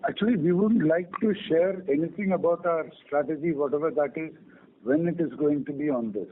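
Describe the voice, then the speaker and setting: A tinny telephone line carries a man with an Indian accent and a fairly high voice. He is a company executive explaining things on a business call. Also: a little fast. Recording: tinny narrow phone line.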